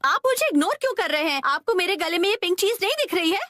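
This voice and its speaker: A woman's voice: very high-pitched, animated, quick pace, no echo, clean studio sound, full character voice. A woman voicing an emotional, sulky young housewife in a cartoon dub, whiny and dramatic. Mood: sulking. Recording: cartoon dub over loud music. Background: loud background music.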